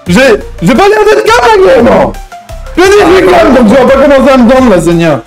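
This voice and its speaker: A man's voice: very high-pitched, big pitch swings, moderate pace, soft background music, full character voice. A man playing a hot-headed, menacing gang member in an improvised online crime roleplay, talking in slang with repeated verbal tics. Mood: agitated, bossy.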